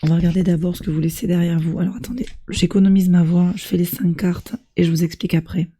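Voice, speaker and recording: A woman with a hoarse voice from a cold, doing a tarot reading and gently encouraging her viewers. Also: lowish voice, steady tone, fast talker. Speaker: tarot reader.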